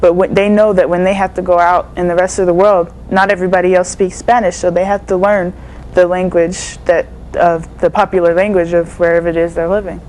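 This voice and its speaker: Woman, flat intonation, lowish voice, spontaneous discussion, faint ambient noise. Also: a little fast, poor audio. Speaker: discussion participant. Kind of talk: unscripted group discussion.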